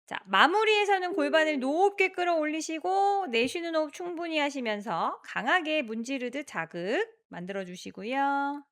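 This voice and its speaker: A woman exercise instructor guiding a workout, giving encouraging cues and counting reps aloud in a steady rhythm. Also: high voice, moderate pace, hardly any pauses.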